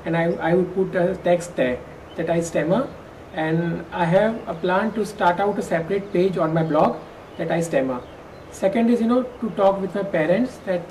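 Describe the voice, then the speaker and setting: A woman's voice: on the low side, warm tone. A woman who stammers, repeating first syllables, and answers interview questions hesitantly with many fillers and restarts. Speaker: stammering workshop participant. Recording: distant mic with faint background noise.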